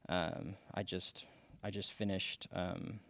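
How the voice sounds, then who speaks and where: Forties male guest, gravelly low voice, halting storyteller, dry close recording. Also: level tone, fairly bright tone, no echo. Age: 40s. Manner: halting, many restarts and fillers. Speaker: podcast guest. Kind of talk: casual interview chat.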